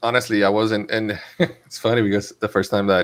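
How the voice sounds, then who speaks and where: A man with a fairly low voice speaks with a Spanish accent. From Puerto Rico. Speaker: Disney YouTuber. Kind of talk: casual chat.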